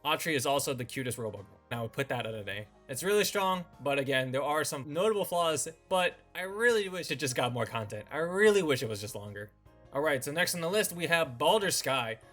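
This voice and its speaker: A man with a slightly high voice delivers semi-scripted review commentary as a video host. He speaks as a reviewer walking an audience through his opinions, with music playing faintly behind his voice. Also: expressive, fairly quick, fairly bright tone.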